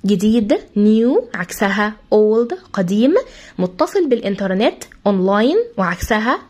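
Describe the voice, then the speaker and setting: A woman with an Egyptian Arabic accent, an English teacher who explains words to pupils and repeats each one slowly, spelling out how the sounds are said. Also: mid-range voice, expressive, a little mellow. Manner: addresses pupils as "kids". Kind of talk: vocabulary lesson for pupils.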